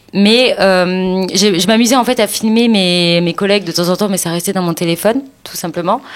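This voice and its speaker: Noticeable background noise fills the recording. A woman talks at moderate speed, her pitch varying in an ordinary way. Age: 30s. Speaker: ICU nurse and cancer patient. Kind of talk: podcast interview. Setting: hospital room. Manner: casual, halting with fillers.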